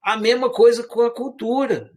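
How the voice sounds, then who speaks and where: A man with a Brazilian accent that is partly from Minas Gerais and partly rural caipira, giving an informal, animated lecture full of rhetorical questions. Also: extremely high pitch, moderate pace. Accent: Brazilian Portuguese, part Minas Gerais, part rural caipira. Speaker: teacher.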